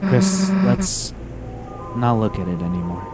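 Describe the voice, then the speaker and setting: A man voicing a brash, rough-talking monster girl from a game, blunt and swearing. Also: on the low side, sing-song, over loud music. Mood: gruff, puzzled. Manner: blunt, swears, slow gruff delivery. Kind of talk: voicing game dialogue on stream.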